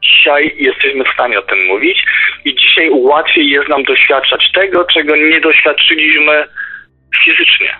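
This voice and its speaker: A man's voice: fairly high pitch, normal speed, breathy edge. A man debating casually in an insistent, argumentative way, often repeating himself. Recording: tinny narrow phone line. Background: music.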